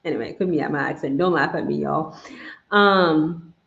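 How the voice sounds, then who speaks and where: A woman with a Jamaican accent hosts a live Q&A stream, chatting casually and speaking directly to her viewers while rambling and correcting herself. Her low voice is gravelly and a bit bright at a normal pace, and the echoey room gives a slightly dull sound.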